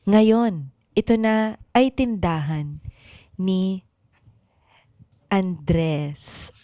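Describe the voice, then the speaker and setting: A woman narrating an improvised radio drama with deliberate, suspenseful phrasing. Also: mid-range voice, mellow, dry recording, clean studio sound.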